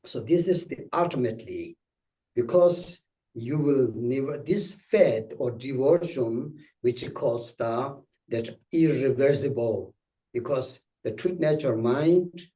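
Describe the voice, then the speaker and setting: Slow, halting man teaching from a distance. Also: mid-range voice, animated, warm tone. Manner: halting, searching for words. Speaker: Buddhist teacher. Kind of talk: dharma teaching. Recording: distant from the mic.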